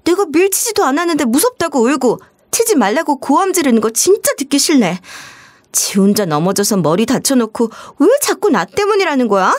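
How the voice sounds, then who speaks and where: A woman's voice: sits high, very animated, a little fast, dry recording, studio quality, pitched above the performer's own voice. A woman voicing a spiteful young woman who sneers and threatens in an irritated tone. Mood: irritated sneering.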